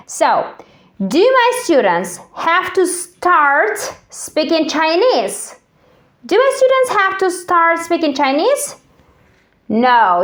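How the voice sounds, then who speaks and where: Slow, lilting woman teaching English drills. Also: high-pitched, fairly bright tone. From Kazakhstan. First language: Russian. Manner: repeats phrases slowly and clearly for learners to echo. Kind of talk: slow drill-style language lesson.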